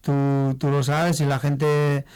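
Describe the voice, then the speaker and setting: Higher-voiced man from La Mancha, chatty. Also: slow, smooth, poor audio. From La Mancha, Spain. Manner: chatty, animated, laughs easily. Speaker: chef, guest. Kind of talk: casual interview talk.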